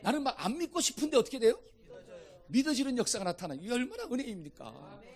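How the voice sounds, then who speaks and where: A male pastor preaching an interactive sermon, asking the congregation questions and shouting commands at demons. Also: extremely high pitch, big pitch swings, fast talker. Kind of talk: interactive sermon with call-and-response.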